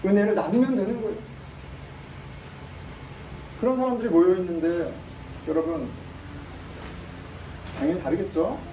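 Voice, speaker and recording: A male pastor delivers a sermon in a mellow, darker voice, pressing his points and firing rhetorical questions at the congregation. He is picked up from some distance in a reverberant church sanctuary, with faint ambient noise underneath. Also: sits high, normal speed, pauses often, highs cut off. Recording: echoey room, mic at a distance.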